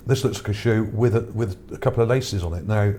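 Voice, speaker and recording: At a quick pace, a man with a warm voice on the low side comments casually on his own image finds for a video. The narration is unscripted, with a musing, hesitant quality, and background noise sits under it.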